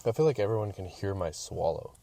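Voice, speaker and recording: A man's voice: sits low, lively intonation, quick pace, vocal fry, dark tone. A man chatting casually as a podcast guest, with easygoing banter and dry humour. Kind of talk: casual chat. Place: on the go, around parking lot and car. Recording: faint vehicle noise, on location. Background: faint ambient and vehicle noise.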